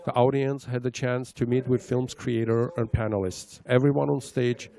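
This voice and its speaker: A man's voice: mid-range voice, steady tone, moderate pace, gravelly, dark tone. A man narrating a news report in a formal, read-aloud cadence.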